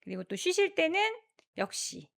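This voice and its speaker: A woman exercise instructor guiding a workout, giving encouraging cues and counting reps aloud in a steady rhythm. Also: sits high, normal speed, vocal fry.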